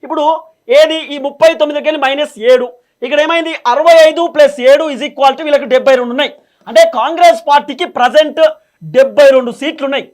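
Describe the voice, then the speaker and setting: Very high-pitched, fast Telangana man presenting news. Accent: Telangana Telugu. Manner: emphatic, repetitive, poses and answers own questions. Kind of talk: explanatory political commentary at a board.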